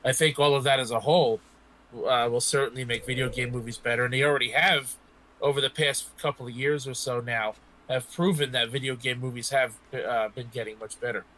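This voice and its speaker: Male co-host, bright mid-range voice, measured and conversational, thoughtful panel talk. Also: medium pitch, steady tone, low-quality recording. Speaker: podcast co-host. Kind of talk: casual panel discussion.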